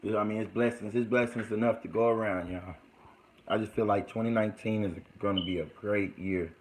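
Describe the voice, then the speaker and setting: A man's voice: lowish voice, steady tone, brisk, darkish tone, slight background noise, rough recording. A young man with a mixed Texas and California accent, talking casually to viewers on a livestream, slangy and calling them y'all. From United States. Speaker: livestream host.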